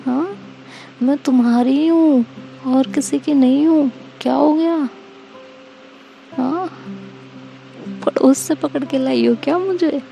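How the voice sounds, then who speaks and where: Casting: a woman voicing a pleading, teasing young lover, slow and gravelly, dark tone. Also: fairly high pitch, steady tone, dull audio, faint music behind, full character voice. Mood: coaxing. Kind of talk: storytelling audio drama.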